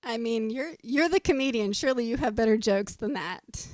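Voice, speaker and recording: A woman's voice: a little high, animated, moderate pace, darkish tone, dry recording, studio quality. A woman musician in a casual interview, chatty and laughing often as she tells corny jokes. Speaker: musician guest.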